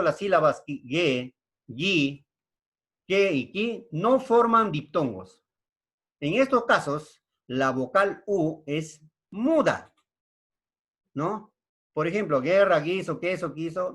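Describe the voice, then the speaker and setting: A man's voice: fairly high pitch, fairly bright tone, breathy edge. A man with a Peruvian Spanish accent teaching an online language lesson, explaining patiently and checking in with frequent tag questions. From Peru.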